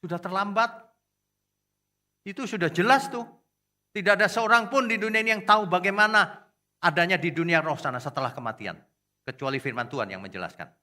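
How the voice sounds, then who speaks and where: A middle-aged male pastor preaching a sermon, animated, scolding and joking with his congregation and acting out quotes in voices. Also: sits high, fairly quick, pauses often.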